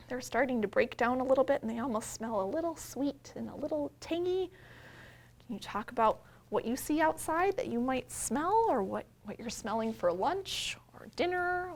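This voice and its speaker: A woman with an American accent and a notably high voice speaks to young children as a story-time host. She uses simple, explanatory phrasing suited to little listeners, in the style of a librarian's read-aloud.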